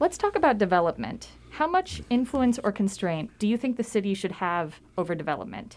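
This woman speaks at a fairly quick pace. Her pitch swings very widely. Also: medium pitch for a woman, hardly any pauses. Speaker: radio reporter and interviewer. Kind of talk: radio interview.

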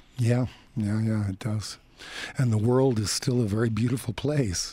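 A man with a Utah accent has a dark, mellow tone and a fairly low pitch. He speaks at a moderate pace with fairly even intonation. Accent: American, Utah. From Utah, Salt Lake City area. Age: 50s. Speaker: author. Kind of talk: radio interview. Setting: radio studio.

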